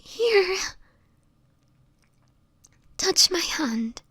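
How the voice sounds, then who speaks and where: A woman playing a sickly, gentle homeless woman turning vampire in an intimate audio roleplay, with a whispery, hesitant delivery. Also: extremely high pitch, big pitch swings, dry recording, full character voice. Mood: pleading, tearful. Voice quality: breathy, whispery. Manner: halting, hesitant, fragile delivery.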